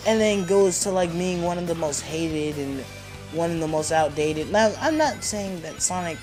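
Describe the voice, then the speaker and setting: With game music playing in the background, a fourteen-year-old boy rambles casually and opinionatedly while playing a video game. He speaks at normal speed in a voice on the high side, and the audio is poor.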